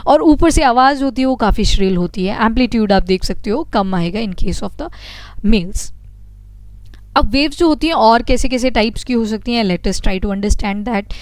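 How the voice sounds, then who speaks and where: Smooth-voiced woman teaching physics. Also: on the high side, darkish tone, no room sound. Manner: explains step by step, asks and answers own questions. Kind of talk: exam-prep science lecture.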